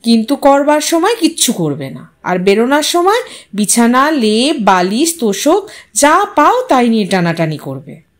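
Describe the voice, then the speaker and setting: A woman's voice: a little high, big pitch swings, measured pace. A woman voicing a fussy, reproachful young wife who is fond of her husband, in an audio story. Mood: reproachful complaint.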